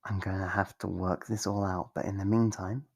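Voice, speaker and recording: An actor playing a devoted, nervous, lovestruck cultist in an ASMR audio roleplay, speaking in a soft, breathy voice with earnest, hesitant, theatrical delivery. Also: low-pitched, little pitch movement, moderate pace, dry recording, clean studio sound, full character voice. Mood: earnest, scheming.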